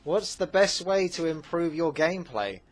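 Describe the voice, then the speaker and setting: A man with an Essex accent, hosting a gaming channel, answering viewer questions in a relaxed, chatty way with plenty of fillers. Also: fairly high pitch, moderate pace. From England. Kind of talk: casual Q&A commentary.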